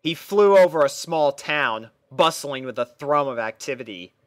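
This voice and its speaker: A man narrating a scripted story in a measured, mock-serious storytelling manner. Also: fairly high pitch, lively intonation, no room sound, clean studio sound. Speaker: fan fiction narrator.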